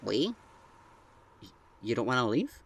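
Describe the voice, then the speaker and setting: A woman playing an anxious, soft-hearted young driver in an audio drama, with a hesitant, stammering delivery. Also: extremely low pitch, very animated, unhurried, vocal fry, a little hiss or hum, exaggerated voice.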